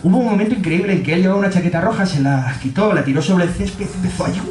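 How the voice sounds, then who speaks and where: A man with a Spanish accent giving a humorous talk in a pub, laughing often and acting out quotes in a high voice. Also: racing, darkish tone, echoey room. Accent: Spanish from Spain. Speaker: speaker giving a public talk. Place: pub with an audience.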